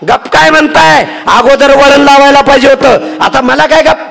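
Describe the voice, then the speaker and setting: A male preacher voicing a hysterical young wife who shrieks out her complaints in a high, strained voice. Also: steady tone, moderate pace, creaky, full character voice. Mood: indignant. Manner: shrill, shouted complaining.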